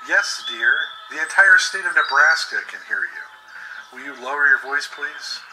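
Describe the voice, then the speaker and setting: A man's voice: a little high, expressive, moderate pace, pushed and bright, soft background music, rough recording. A man voicing an eager, placating, secretive boyfriend with a coaxing manner in an audio horror story. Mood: placating, nervous.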